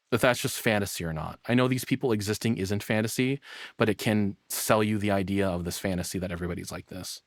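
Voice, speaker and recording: A man's voice: on the low side, dry recording, studio quality. An American man rambling casually on a livestream, often interrupting himself and swearing mildly. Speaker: streamer reacting to a video; voice actor.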